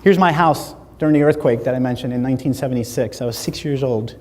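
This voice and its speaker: A man, giving a keynote speech and acting out stories with lively dialogue. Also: medium pitch, fast talker, long reverb tail, some chatter behind. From Latin America, Spanish-speaking. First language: Spanish. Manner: animated storyteller acting out dialogue. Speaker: motivational speaker. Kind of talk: keynote speech to a live audience. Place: large hall.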